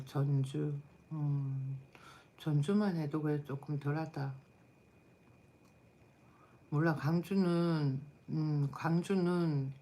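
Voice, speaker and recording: A woman's voice: sits low, warm tone. A middle-aged woman hosting a live stream, chatting casually and bluntly with viewers while tired. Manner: blunt, chatty, answers chat comments aloud.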